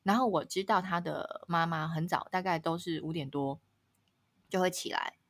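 Female podcast co-host, lively storyteller who laughs a lot. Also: lowish voice, moderate pace. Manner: animated storyteller, laughs often, rises sharply at dramatic moments. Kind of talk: casual chat, telling a story.

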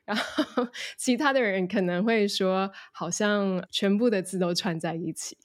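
A woman's voice: medium pitch, measured pace. A woman English coach speaking Mandarin with a slight English-influenced accent, explaining in an interview and dropping in English words. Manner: mixes English words into Mandarin, demonstrates phrases.

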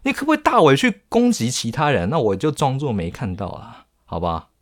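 A man's voice: medium pitch, huge pitch swings, a little fast. A man doing a blunt Taiwanese schoolteacher. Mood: stern. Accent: Taiwanese Mandarin. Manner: blunt, bargaining, mock-stern. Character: blunt, streetwise schoolteacher scolding a bully.

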